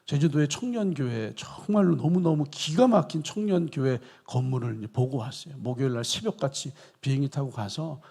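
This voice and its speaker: A man's voice: medium pitch, lively intonation, brisk, creaky, hardly any pauses, warm tone, husky. A man pastor preaching a sermon in church, earnest and repeating quoted scripture for emphasis.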